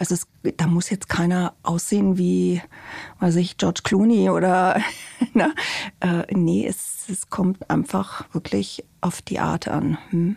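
Speaking very slowly with fairly even intonation, a woman has a fairly low pitch, a dark, mellow tone and a somewhat breathy quality. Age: 50s. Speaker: escort. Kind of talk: casual chat.

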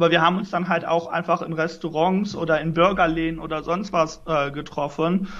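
A man speaks at a high pitch and a fairly quick pace. His intonation stays monotone and flat. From North Rhine-Westphalia, Germany (Gütersloh district). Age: 20s. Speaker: youth political organisation leader. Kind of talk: interview. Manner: frequent filler sounds (äh).

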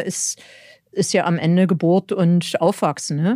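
A woman's dark, mellow tone, dry and close with no echo, on a very clean recording with a silent background. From eastern Germany, Spreewald (Lusatia). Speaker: psychology professor. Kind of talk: interview. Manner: frequent tag 'ne?'.

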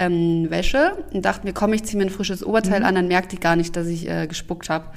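Fairly even intonation from a woman at a very fast clip. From Dresden, Saxony. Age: 30s. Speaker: police officer and former beauty queen. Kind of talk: casual interview. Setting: remote call.

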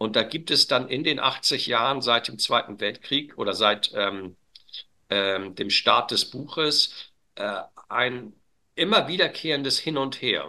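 A man's medium-pitched voice, bright and sharp in tone, with lively intonation at a very slow pace. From Hamburg, northern Germany. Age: 50s. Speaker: historian and author. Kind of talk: interview. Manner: hesitant, many filler sounds.

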